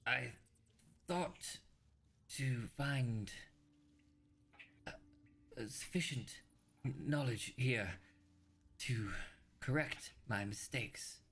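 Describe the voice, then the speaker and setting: Man putting on a slow raspy dying spirit. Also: mid-range voice, fairly bright tone, pitched above the performer's own voice, full character voice. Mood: regretful, grave. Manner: slow, halting, broken delivery. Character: dying scholar's regretful spirit voice speaking from a bone.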